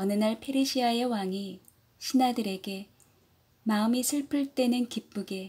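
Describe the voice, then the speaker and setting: A woman talks at a very slow pace with a fairly high pitch and ordinary pitch variation. Her tone is dark and mellow, and somewhat breathy. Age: 50s. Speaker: book YouTuber. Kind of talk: poetry reading.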